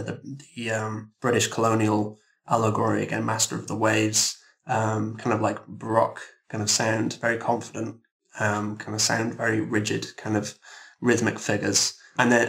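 Guy being interviewed, composer type, pretty flat intonation, thoughtful, lots of halting pauses, bit of fry. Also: fairly low pitch. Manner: halting, thoughtful, pausing often. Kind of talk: casual interview discussion.

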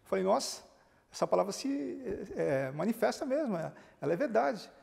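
A pastor gives his testimony in a TV interview, telling it as animated storytelling and acting out quoted dialogue. His voice is high-pitched with vocal fry at a normal speed, followed by a long reverb tail.

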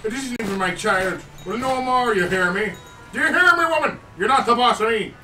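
An actor playing a put-upon, whiny husband in a comic radio drama. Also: male voice, very high voice, lively intonation, a little fast, sharp tone, faint music behind, exaggerated voice. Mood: exasperated. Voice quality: whiny, exasperated. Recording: roomy, distant mic.

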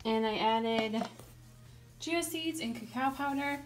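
A woman's voice: fairly high pitch, slow pace, soft background music. A young woman chatting casually in a vlog, talking in an easygoing way full of "like" fillers. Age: young adult. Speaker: vlogger.

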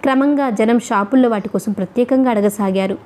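A woman narrating a novel as an audiobook reader, in a steady, even storytelling manner. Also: on the high side, a little fast.

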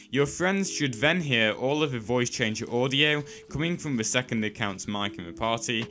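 A man's voice: mid-range voice, bright, forceful tone, a little hiss or hum. A man reads scripted step-by-step instructions as a tutorial host, with emphatic sing-song phrasing that drops at sentence ends. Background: background music.

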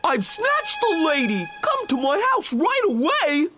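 A man voicing an excitable, dim, hot-headed cartoon bear, blustering and bewildered. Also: extremely high pitch, a little slow, heavily acted. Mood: outraged. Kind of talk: exaggerated cartoon dubbing. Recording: loud music behind the voice.

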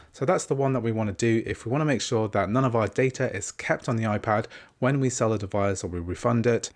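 Male tech tutorial host, low, steady, methodical delivery. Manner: calm, methodical, narrating each tap. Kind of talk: step-by-step device tutorial. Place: at a desk filming a tablet. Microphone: small handheld gimbal camera.

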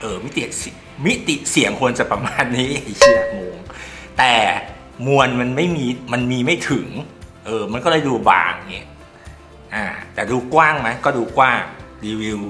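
A man's voice: mid-range voice, moderate pace, over music. A man reviewing earbuds in a casual, rambling way, groping for words and swearing now and then. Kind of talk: casual tech review talk.

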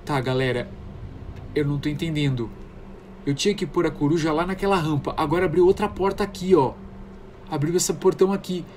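A man's voice: a little high, brisk, a little mellow, a little hiss or hum. A man with a Brazilian accent commentating on a horror game, panicky and easily startled. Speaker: gamer.

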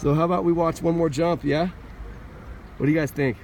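A man filming a casual vlog from a car and outdoors, talking excitedly with lots of "dude" and "like". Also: a little high, fairly quick, slight background noise. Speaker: vlogger. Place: in a car and outdoors at a ski resort.

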